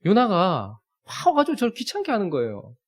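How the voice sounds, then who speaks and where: A man's voice: high-pitched, wildly swooping pitch, fairly quick. A man, preaching a sermon and telling a family story, acting out the scenes. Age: 30s. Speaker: pastor.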